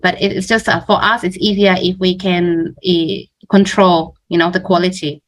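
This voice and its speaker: Lower-pitched woman, halting explainer. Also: flat delivery. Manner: halting, often repeats words. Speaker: exam prep teacher, interview guest. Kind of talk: informal explanatory Q&A talk.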